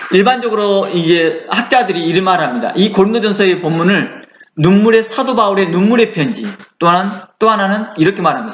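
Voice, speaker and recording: High-voiced Korean pastor preaching. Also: male voice, fairly bright tone. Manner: earnest conversational preaching with rhetorical questions. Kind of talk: sermon. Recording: echoey room, dull lo-fi sound with faint noise.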